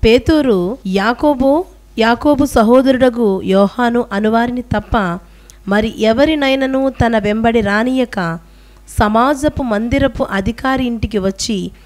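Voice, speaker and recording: Woman slowly reading scripture aloud. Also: on the high side, darkish tone. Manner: measured, solemn recitation. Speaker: scripture reader. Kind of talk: slow formal Bible reading.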